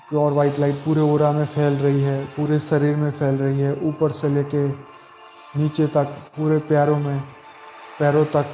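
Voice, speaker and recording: A man speaking as a meditation guide, calm and soothing, giving slow, repetitive instructions with long pauses in Hindi. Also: on the high side. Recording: roomy echo with background music. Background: meditation music.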